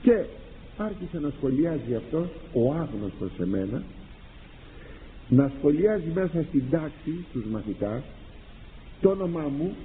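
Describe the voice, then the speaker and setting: Lively man preaching in an echoing hall. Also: on the high side, long pauses, slight background noise. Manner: animated, rhetorical questions and acted-out dialogues. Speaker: priest and confessor. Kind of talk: sermon. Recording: tinny lo-fi archive recording in a reverberant hall.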